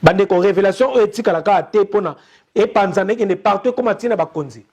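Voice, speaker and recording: A young man with a Congolese accent delivers a fervent commentary straight to his viewers. His voice sits notably high for a man, and he drives his case with insistent, repeated calls to action. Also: quick pace, a little mellow, husky. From Democratic Republic of the Congo. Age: young adult. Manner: urgent, repetitive, rallying appeals to listeners. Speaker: online TV commentator. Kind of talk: impassioned commentary to camera.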